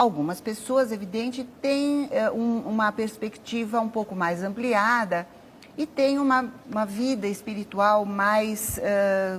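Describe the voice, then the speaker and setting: A woman's voice, fairly high and somewhat breathy, moves very slowly with ordinary pitch variation. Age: 60s. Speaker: interviewee, pedagogue and anthropologist. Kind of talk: TV interview. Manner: hesitant, many fillers.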